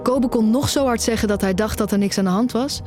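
A woman's voice: a little high, brisk, natural voice. Young woman, anxious yet headstrong student played by an actress, confiding audio drama narrator, underscored by music. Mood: brooding, uneasy. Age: young adult. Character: anxious, stubborn young female music student, nearly blind.

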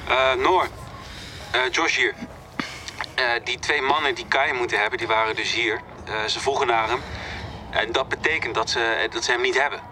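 An actor playing a hesitant young friend leaving an informal, halting voicemail in an audio drama. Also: male voice, mid-range voice, bright, forceful tone. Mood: hesitant, matter-of-fact. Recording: voicemail with faint outdoor street noise.

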